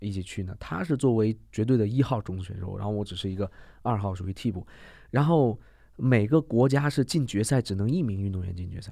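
A man's fairly low, dark, mellow voice at a fairly quick pace, with ordinary pitch variation and big swings in loudness, over a quiet background. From Henan, China (Zhengzhou). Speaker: retired trampoline world champion. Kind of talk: casual interview.

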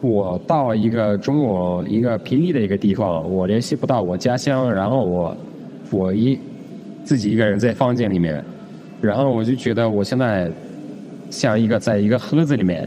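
Noticeable background noise runs under a man's fairly low pitch. He speaks at a moderate pace with ordinary pitch variation. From Siberia, Russia. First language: Russian (speaking Chinese). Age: 30s. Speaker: fashion designer. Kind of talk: casual chat. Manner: halting.

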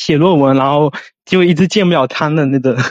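Close, dry audio with no echo carries a man's voice. He moves at a moderate pace, and his pitch varies in an ordinary way. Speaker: undergraduate caller. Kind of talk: casual call-in consultation. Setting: live-stream voice link. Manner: halting.

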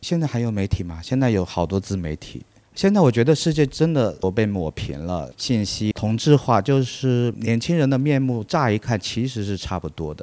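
Speaking at medium pitch with a dark, mellow tone, a man swings his pitch very widely and hardly pauses, in a very clean recording with a silent background. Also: moderate pace. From Guangdong, China. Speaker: writer and former magazine editor. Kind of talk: casual chat.

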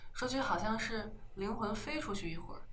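A woman with a fairly high pitch speaks at a moderate pace with ordinary pitch variation. The recording has audible room echo and noticeable background noise. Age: young. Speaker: screenwriter. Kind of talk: casual chat.

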